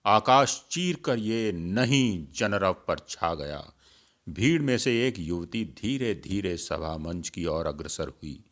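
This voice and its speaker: A man's voice: deep voice, expressive, takes it slowly, a bit bright. A man hosting a story channel, narrating in a formal, literary style.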